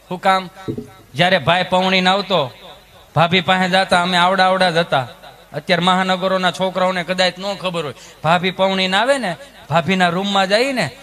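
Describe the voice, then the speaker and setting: A man's voice: sits high, sharp tone. A male comedian with a Kathiyawadi accent, telling rambling, anecdotal stories in a live folk stand-up show. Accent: Kathiyawadi Gujarati.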